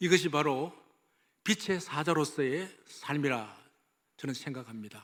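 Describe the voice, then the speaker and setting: A man speaks at a fairly slow pace. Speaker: missionary giving testimony. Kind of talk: testimony sermon. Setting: church service.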